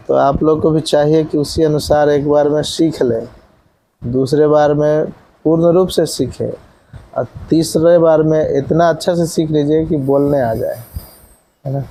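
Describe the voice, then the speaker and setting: A man with a dark, gravelly voice pitched a little high teaches a scripture class. He recites verses slowly and with care, then talks his listeners through the pronunciation, often checking that they follow. His pace stays slow and deliberate throughout. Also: rough recording. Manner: conversational, asks "है ना?" often.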